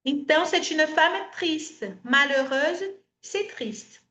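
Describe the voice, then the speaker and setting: A high-voiced woman from Espírito Santo teaches French in a Brazilian Portuguese accent, coaxing her students to repeat after her. She slows right down to model each French word. Her voice rings in a roomy, echoing space. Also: animated, bright, forceful tone. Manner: explains patiently, coaxes viewers to repeat sounds; models French words slowly. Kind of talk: online language lesson.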